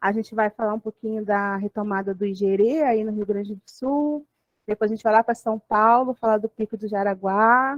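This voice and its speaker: Her intonation is fairly even. The woman's pitch is fairly high. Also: moderate pace, dry, close sound with no echo. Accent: Rio de Janeiro. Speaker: social worker, graduate researcher. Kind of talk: video call discussion.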